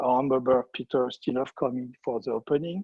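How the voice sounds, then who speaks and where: Spoken with a French accent, the voice keeps a moderate pace and ordinary pitch variation. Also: man. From France, Orléans. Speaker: painter. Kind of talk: interview. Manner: halting.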